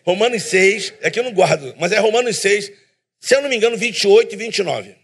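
A man preaching a sermon in a church, emphatic and animated, with self-deprecating humor. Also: high voice, fast talker, husky.

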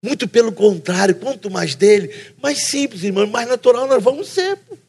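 A man with a Carioca accent preaches, with a voice that sits high for a man. His tone is husky and a little breathy. He tells a story with energy, acts out each side of the conversation, and keeps calling out to his listeners. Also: moderate pace. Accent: Carioca Brazilian Portuguese. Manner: animated storytelling, acting out both sides of a conversation; calls the listeners "brother" again and again. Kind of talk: sermon with a funny personal story.

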